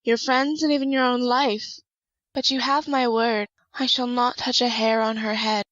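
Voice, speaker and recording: Woman acting a high-voiced, formal, cold villain, muffled. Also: flat delivery, a bit bright, no echo, lightly acted. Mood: coolly taunting. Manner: formal, deliberate. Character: cold, smooth-talking villain striking a deal. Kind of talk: audio drama acting.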